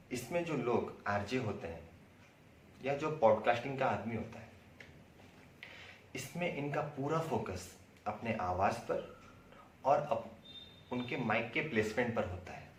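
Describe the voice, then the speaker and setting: A man with an Indian accent giving an instructional lecture, explaining things by asking questions and answering them himself. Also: mid-range voice. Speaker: acting instructor. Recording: roomy echo, distant mic, faint noise.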